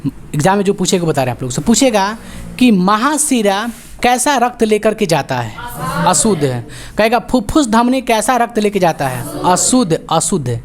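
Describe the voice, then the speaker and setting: A woman's voice: medium pitch, sing-song, a little hiss or hum. Bihari-accented woman teacher quizzing students. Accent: Bihari Hindi. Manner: quizzing students with rapid call-and-response questions; joking, scolding. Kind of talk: classroom lecture.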